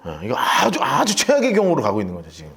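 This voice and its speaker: A man's voice: medium pitch, quick pace, vocal fry. A male pastor giving a Bible study sermon in a church, casual and colloquial, often acting out little scenes. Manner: lively, colloquial, acts out scenes.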